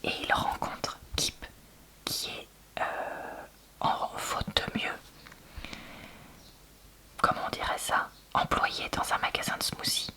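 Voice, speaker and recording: A woman whispering softly in a library whisper, chatting candidly in a conversational ASMR book-review style. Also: takes it slowly, long pauses. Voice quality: soft, breathy unvoiced library whisper. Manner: hushed, conversational, candid opinions.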